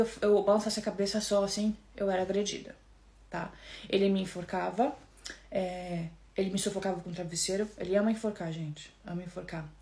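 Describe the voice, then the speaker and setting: Soft-spoken Brazilian woman with a creaky voice. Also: mid-range voice. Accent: Brazilian Portuguese. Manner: soft, halting, often restarting, keeps addressing listeners. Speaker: vlogger telling her own story. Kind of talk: personal storytelling to camera.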